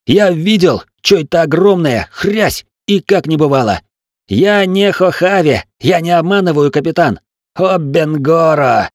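A man voicing a panicked young male ship gunner who yells frantically in coarse speech. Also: fairly high pitch, lively intonation, unhurried, no room sound, studio quality, pitched above the performer's own voice.

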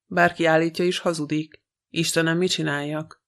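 An indignant French lady protests in a shrill voice, as a male audiobook reader puts her on. The voice sits a little high. Its tone stays flat and even. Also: vocal fry. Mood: outraged. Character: indignant, frightened middle-aged French woman.

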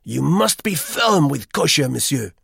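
A man's voice: on the high side, very animated, unhurried, gravelly, fairly bright tone, husky, no echo, clean studio sound, pitched above the performer's own voice, exaggerated voice. A man voicing an insistent, fussy bearded French businessman who urges action emphatically.

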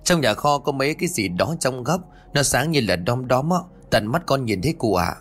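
A man voicing an eager, nervous young servant girl in a high, quick voice. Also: expressive, close to an everyday voice. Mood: anxious.

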